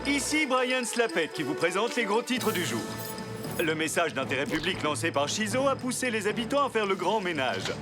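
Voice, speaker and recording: A television newsreader in a French cartoon. He announces in a high voice. Music runs clearly behind him. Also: big pitch swings, moderate pace. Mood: announcing. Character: announcing TV news anchorman. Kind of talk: newscast parody in French cartoon dub.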